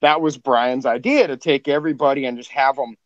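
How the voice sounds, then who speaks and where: Speaking a little fast in a mid-range voice, a man chats loosely on a podcast about a production, heaping praise on the cast through rambling, filler-heavy talk. There's no room sound, and the high frequencies are cut off.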